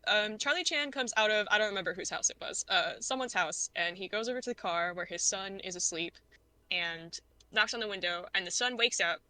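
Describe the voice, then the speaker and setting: A woman chatting as a podcast guest, retelling her reactions in a lively way with many quoted asides. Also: medium pitch, clear, resonant tone, dry recording. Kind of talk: casual conversation about films.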